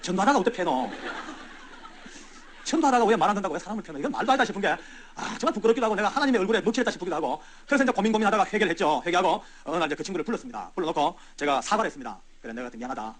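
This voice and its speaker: A man speaks as a church elder giving a testimony, at a rapid clip and with a fairly high voice. His pitch rises and falls freely as he addresses the audience directly. He moves from loud passages to hushed ones. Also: slight background noise. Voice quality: wide swings from loud to hushed. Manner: animated, conversational, talks straight to the audience. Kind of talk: storytelling testimony sermon.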